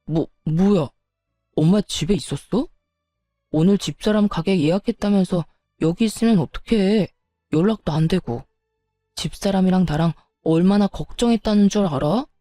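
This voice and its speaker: A woman's voice: fairly low pitch, moderate pace, warm tone, no echo, soft background music, natural voice. A woman doing an exasperated husband. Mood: worried. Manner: scolding, frustrated.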